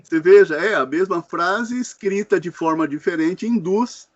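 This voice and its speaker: A man's voice: high voice, moderate pace. A man speaking reflectively in a discussion, hesitant, with many fillers and repeated words. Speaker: co-host in a discussion. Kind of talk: slow reflective philosophical talk. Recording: dull lo-fi recording.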